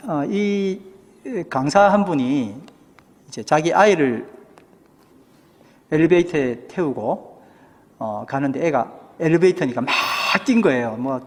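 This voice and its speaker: A male pastor preaching a sermon, putting questions to the congregation and acting out what people say. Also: a little high. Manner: asks the congregation questions, acts out quoted speech. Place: church. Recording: church hall with long reverb.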